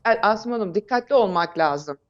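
A woman answering as an expert guest in an interview, explaining in a halting way with frequent pauses. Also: medium pitch, lively intonation, highs cut off. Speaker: expert guest, psychological counselor and psychotherapist.

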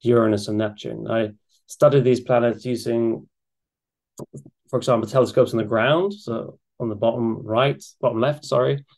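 A man's voice: medium pitch, fairly even intonation, normal speed, vocal fry, a little mellow. A middle-aged man from Sweden giving a public science lecture over a video call, talking in a chatty, eager way with restarts and fillers. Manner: enthusiastic, conversational, with frequent restarts and fillers. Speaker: astrophysics lecturer. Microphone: webcam or desk mic on a video call.

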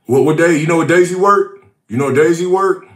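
A man in his thirties talking casually in slang as a prank caller, halting and repeating himself, recorded on a phone in a room. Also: on the high side, reverberant. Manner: halting, repetitive, street-slang talk. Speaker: prank caller, show host. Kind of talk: casual, profane prank call show. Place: small indoor room.

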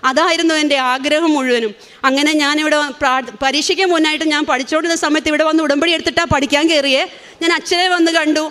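A woman from India in her forties, speaking with a Malayali accent, offers an earnest, emotional religious testimony. Her voice is high-pitched and a bit bright.

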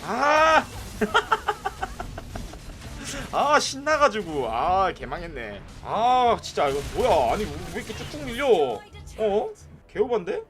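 A young adult man giving excitable live commentary on a mobile game, yelling at teammates in bursts and chatting with viewers, with faint music behind. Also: high voice, takes it slowly.

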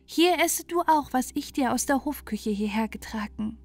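A woman voicing a small, brisk, caring male bird friend in a storybook tale. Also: sits high, expressive, soft background music, voice pushed up. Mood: kindly. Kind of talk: storybook character voice.

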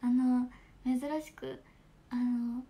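A woman's voice: on the high side, completely flat delivery, drawn-out words, dark tone. A young woman from Japan, chatting casually with fans on a smartphone livestream, giggling and reading out comments. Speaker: idol livestreamer.

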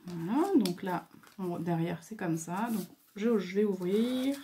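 A woman hosting a casual craft video, talking hesitantly with many fillers and pauses as she admires what she shows. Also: mid-range voice, animated, slight background noise. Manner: admiring, soft-spoken. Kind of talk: casual show-and-tell.

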